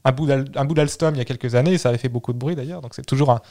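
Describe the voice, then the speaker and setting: A man's voice: medium pitch, rapid-fire, warm tone. A man co-hosting a casual history talk, explaining and storytelling as he repeats words while he thinks. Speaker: podcast co-host telling history.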